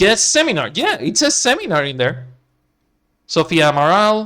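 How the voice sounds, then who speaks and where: In a very clean recording with a silent background, a man with a non-native accent talks at a moderate pace. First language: not English. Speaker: gaming streamer. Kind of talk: let's play commentary. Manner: casual, reads game text aloud.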